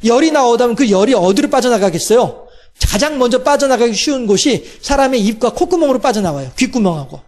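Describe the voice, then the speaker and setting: Male pastor, very high voice, sermon delivery, rhetorical questions, slows and softens for quoted lines. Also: lively intonation. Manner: rhetorical questions, voices God's quoted words softly and slowly.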